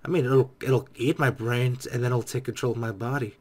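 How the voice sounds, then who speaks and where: A man's voice: mid-range voice, a little fast. Young man reacting casually to a game. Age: young adult. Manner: excitable, echoes lines he hears. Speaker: gaming reaction streamer. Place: small dark room indoors.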